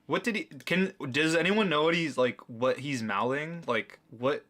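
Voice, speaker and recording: Young guy reacting to a dating show clip, bright voice, keeps laughing n mocking. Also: a little high, unhurried. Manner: laughing, incredulous, mocking asides. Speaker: reaction video host. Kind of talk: casual reaction commentary.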